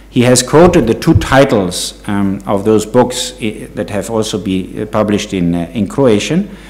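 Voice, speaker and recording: In a German accent, a man talks with lively intonation and hardly any pauses at a fairly low pitch, with noticeable background noise and audible room echo. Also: moderate pace. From Germany. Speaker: priest and psychology professor. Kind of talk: lecture.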